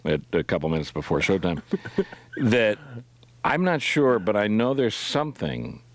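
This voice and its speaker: A man's voice: lowish voice, very animated, a little slow. A middle-aged man hosting talk radio in a casual, joking, conversational way, close on a studio microphone. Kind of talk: casual live radio banter. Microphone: close broadcast microphone on boom.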